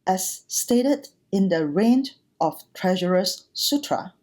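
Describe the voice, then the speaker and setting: Slow, mellow woman giving a dharma talk. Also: medium pitch, expressive. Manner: measured, deliberate phrasing. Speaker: Buddhist nun and temple director giving a dharma talk. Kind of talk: prepared dharma talk addressed to viewers.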